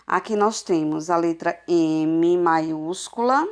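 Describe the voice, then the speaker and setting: A woman teacher giving a recorded adult literacy lesson over a phone, sounding out syllables slowly and patiently. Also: fairly low pitch, clear, resonant tone. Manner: slow, patient, drawn-out syllables.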